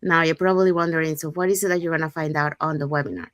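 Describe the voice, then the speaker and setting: A woman's voice: low voice, fairly even intonation, rapid-fire, fairly bright tone, no echo, studio quality. A woman from Panama, co-hosting a show and inviting viewers in an upbeat, repeating way. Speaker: co-host. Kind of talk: scripted show promotion.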